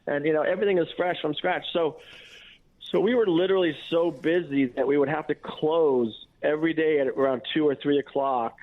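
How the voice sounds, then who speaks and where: A man's voice: a little high, fairly even intonation, brisk. Chef guy on a radio show, chatty, keeps restarting, sounds like a phone line. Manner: chatty, many restarts and "you know". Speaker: chef and restaurant owner, guest. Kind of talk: casual radio interview talk. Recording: tinny phone-line audio.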